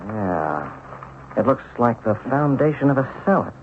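An actor playing an earnest, troubled and insistent husband in a 1970s radio drama. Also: male voice, mid-range voice, big pitch swings, measured pace. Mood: puzzled, earnest. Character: earnest, troubled husband haunted by a past mistake. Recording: tinny old radio recording, faint noise.

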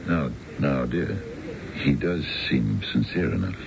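An actor playing a wealthy, unfaithful middle-aged businessman in a radio drama, smooth and self-assured but halting, with a genteel, gravelly delivery. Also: very deep voice, expressive, full character voice. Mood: polite, firm. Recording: muffled, noisy old radio broadcast.

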